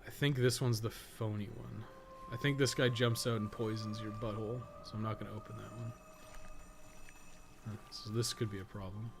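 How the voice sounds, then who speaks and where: A man's voice: on the low side, level tone, moderate pace, creaky, over music. A man giving casual gaming commentary, thinking aloud in a rambling, profane way with joking asides. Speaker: podcast co-host playing a video game.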